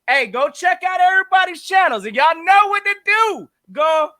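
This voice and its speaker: A man co-hosting a sports podcast, shouting loud hype calls to open the show. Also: very high voice, expressive, normal speed, crowd noise. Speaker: podcast co-host.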